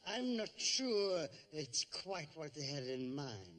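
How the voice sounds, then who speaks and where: A man's voice: on the high side, big pitch swings, slow, fairly bright tone, heavily acted. An actor playing a demanding alien male tour operator in 1960s TV sci-fi acting, stiff and threatening. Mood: stern.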